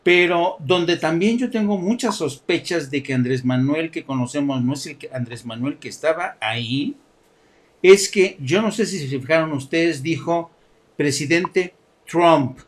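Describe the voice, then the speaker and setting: A man's voice: on the high side, normal speed. Sarcastic man commentator. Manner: mocking, animated, laughs often. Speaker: political commentator. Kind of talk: sarcastic political chat.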